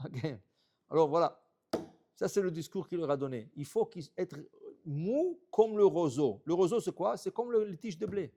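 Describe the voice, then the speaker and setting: A man, a rabbi, telling stories in a sermon, animated, repeating phrases and checking in with "ok?". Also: a little high, moderate pace. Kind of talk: storytelling sermon.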